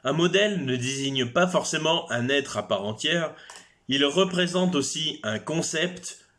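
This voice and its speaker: A man's voice: on the high side, expressive, a little slow, a bit bright. A man giving a casual explanatory monologue, hesitant, with many fillers, restarts and chatty asides. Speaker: video creator.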